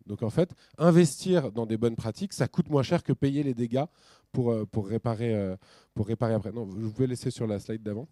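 A middle-aged man from France giving a talk with slides, casual and animated, with ironic asides and many restarts. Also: medium pitch, a little fast, no room sound. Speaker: speaker at a business talk.

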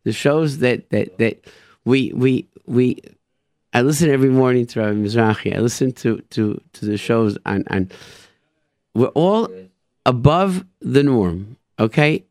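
A man's voice: mid-range voice, a little slow, a little mellow, no room sound. A man hosting a radio show, telling personal religious stories informally and emphatically, repeating phrases and sprinkling in Hebrew and Yiddish expressions.

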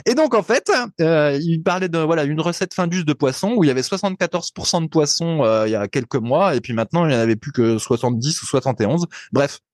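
Man, podcast co-host, slightly high voice, talkative explainer, dry close-miked sound. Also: expressive, fast, hardly any pauses, no echo. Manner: chatty, explanatory, laughs easily. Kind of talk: casual chat.

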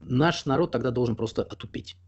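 Husky fast-talking man. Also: medium pitch, darkish tone, lo-fi sound. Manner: talkative, opinionated, explains at length with frequent fillers. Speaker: interview guest. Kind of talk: casual conversational interview.

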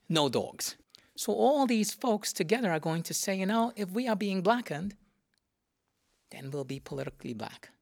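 A man with a gravelly edge to his voice explains a concept at length, leaning into key words and acting out quotations. His voice is rough with fry, and the recording is dry and close. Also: on the high side, no room sound. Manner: lecturing, emphatic, with quoted asides. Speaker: interviewee. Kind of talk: academic conversation.

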